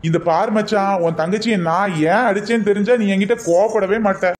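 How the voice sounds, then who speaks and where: A man's voice: sits high, steady tone, fairly quick, lightly acted. A man doing a put-upon brother-in-law. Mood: aggrieved. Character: exasperated brother-in-law, a man in middle age. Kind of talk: cartoon comedy voice acting.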